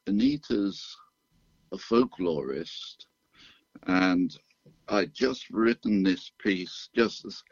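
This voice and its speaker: An older man with a British accent, a retired physician chatting as a radio guest in an unhurried, self-deprecating way with dry humor. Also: low-pitched, dry recording, highs cut off. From United Kingdom. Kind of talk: relaxed radio interview chat.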